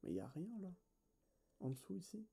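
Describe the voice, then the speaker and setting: A man with a very dark, mellow voice chats through a let's play session. He thinks out loud, trails off and corrects himself, and talks straight to his viewers in a casual tone. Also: high voice, sing-song, normal speed, vocal fry, breathy edge. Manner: thinks aloud, hesitant and self-correcting; chatty, addresses viewers directly. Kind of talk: casual gameplay commentary.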